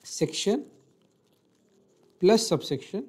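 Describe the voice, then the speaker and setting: A man's voice: sits high, animated, slow pace, warm tone, breathy edge. A man teaching law in an online lecture, walking through a statute on screen, mixing in English terms and checking in with "okay" often. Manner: mutters while scrolling to find a page. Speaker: law teacher for accountancy students.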